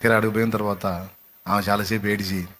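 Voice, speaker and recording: A man's voice: lowish voice, flat delivery, fast talker, fairly bright tone. A man pastor preaching a sermon. He tells stories and puts direct questions to the congregation, then builds to impassioned exhortation.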